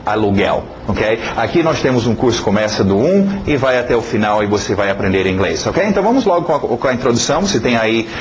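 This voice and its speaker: A man's voice: medium pitch, sing-song, quick pace, hardly any pauses, muffled recording, slight background noise. Chatty male teacher saying "ok?". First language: English. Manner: chatty, repeats "ok?" often, many fillers. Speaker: English teacher. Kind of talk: casual course introduction.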